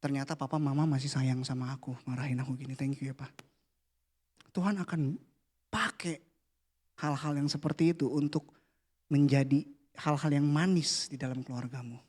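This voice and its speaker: A man, preaching a casual, playful youth sermon that drops to a hush for the prayers. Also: medium pitch, fairly even intonation, normal speed. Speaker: youth pastor. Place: church hall.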